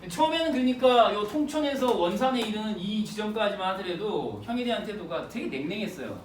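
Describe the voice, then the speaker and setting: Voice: mid-range voice, lively intonation, a little fast. A Korean literature teacher giving an exam prep lecture, colloquial, repeating phrases and quizzing the students. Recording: roomy, distant mic, faint noise.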